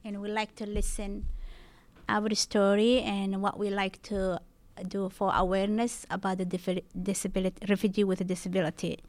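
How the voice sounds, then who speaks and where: A young woman presents on a panel in halting English that is not her first language. Her pitch stays flat and even, and the sound is dry and close. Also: no room sound. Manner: halting, non-native English. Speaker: panel speaker, social work student.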